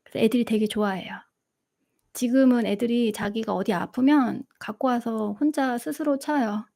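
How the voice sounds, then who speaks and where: A middle-aged woman hosting a live question-and-answer talk on meditation, speaking gently and laughing often as she tells stories. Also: on the high side, moderate pace, creaky. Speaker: meditation channel host.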